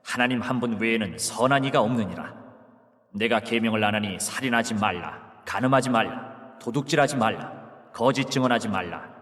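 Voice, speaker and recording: A man voicing Jesus as a calm, authoritative teacher in a dramatized Bible reading, speaking in a measured, solemn way. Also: fairly low pitch, long reverb tail, lightly acted. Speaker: voice actor.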